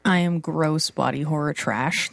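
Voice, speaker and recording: A young woman with a low, gravelly voice chats on a podcast. She rambles, hedges with fillers and pokes fun at herself. The sound is dry and close. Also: measured pace, dry recording. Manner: rambling, self-deprecating, frequent fillers. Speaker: podcast co-host. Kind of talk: casual chat about comics.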